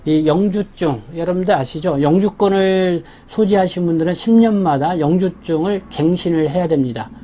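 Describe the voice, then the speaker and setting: A man with a fairly high but soft, mellow voice hosts a briefing on a community newspaper's latest issue. His semi-scripted explanation of each item is halting, and he corrects himself along the way.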